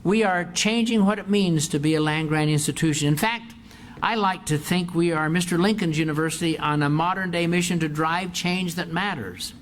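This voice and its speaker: A man's voice: on the high side, normal speed, slight background noise. An older man, a university president, giving a formal speech and then answering audience questions, stressing points by repeating phrases. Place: auditorium with an audience.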